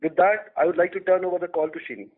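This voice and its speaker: Investor relations man, high-pitched, reads a prepared script over a phone-quality line. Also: fast. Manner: reads a prepared disclaimer steadily. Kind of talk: formal scripted call introduction.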